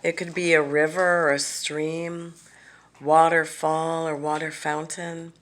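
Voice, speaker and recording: A woman leading a guided visualization, speaking gently and deliberately with long pauses and some softly breathed phrases. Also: sits low, level tone. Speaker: guided meditation leader. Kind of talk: guided visualization, soothing meditation narration.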